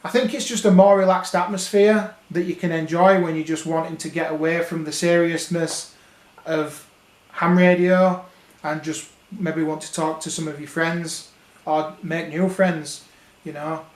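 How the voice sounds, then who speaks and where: British male, casual unscripted hobby commentary, flat delivery, recorded in a very echoey room. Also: on the high side, measured pace. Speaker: amateur radio hobbyist giving his opinion. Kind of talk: casual unscripted opinion monologue. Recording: roomy, echoey sound.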